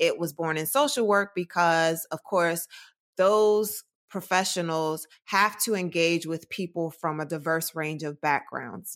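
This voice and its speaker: In a very clean recording with a silent background, a woman with an American accent uses a normal speaking voice, speaking at a fairly slow pace with a fairly low pitch and ordinary pitch variation. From US South, Durham, North Carolina. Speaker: computer science professor. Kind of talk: interview.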